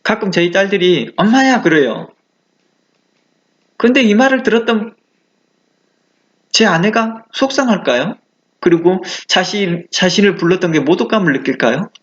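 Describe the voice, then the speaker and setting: High-voiced Korean pastor preaching. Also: male voice, expressive, normal speed, pauses often, dull audio. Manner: conversational preaching with rhetorical questions; acts out quoted exclamations. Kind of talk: sermon.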